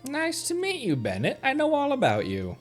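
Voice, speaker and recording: Swooping, animated male adventurer by a streamer. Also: very high voice, normal speed, faint music behind, exaggerated voice. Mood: playful.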